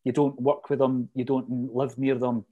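A man's voice: mid-range voice, little pitch movement, normal speed, mellow, highs cut off. A middle-aged man with a Fife Scottish accent, reminiscing casually in a chatty, detailed, anecdotal way. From Fife, Scotland. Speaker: interview guest, lifelong football supporter.

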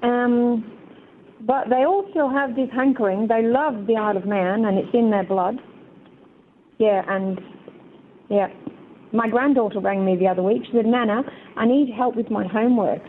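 A woman's voice: a little high, a little slow, pauses often. Old lady in her 70s phoning in to a radio show, chatty, thin phone sound with some noise. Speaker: phone-in caller. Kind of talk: casual chat, telling anecdotes. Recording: noisy tinny phone line.

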